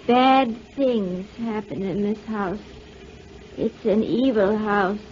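A woman's voice: mid-range voice, steady tone, darkish tone, close to an everyday voice. An actress playing a foreboding, unwelcoming woman of a sinister house in a 1940s radio drama. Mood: ominous warning. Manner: slow, foreboding. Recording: dull, noisy old 1940s radio recording.

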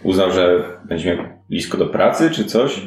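A man's voice: low voice, expressive, normal speed. A man voicing a shrewd, dismissive woman who runs port-side crime in a fantasy tabletop game, talking in an offhand, worldly, slangy way. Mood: gossipy, wry. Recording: echoey room with clear background noise.

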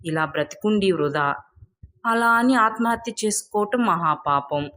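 A woman's voice: mid-range voice, lively intonation, measured pace, a bit bright. Woman as earnest, generous poor village man. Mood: anguished. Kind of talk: moral storybook tale.

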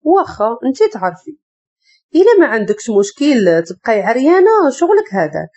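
A woman's voice: a little high, big pitch swings, fairly quick, warm tone, muffled recording. A woman with a Moroccan accent voicing an arrogant, domineering young husband who speaks in a cold, commanding way. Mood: mocking.

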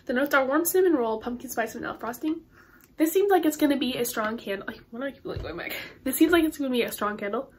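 A woman's voice: sits high, animated, fast, a little mellow, slight background noise. A teenage girl with a stuffed-up nose reviewing a candle haul to camera in her bedroom, chatty and rambling with lots of ums and likes. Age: teens. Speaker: beauty and candle vlogger. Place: bedroom with Christmas tree and curtains, indoors.

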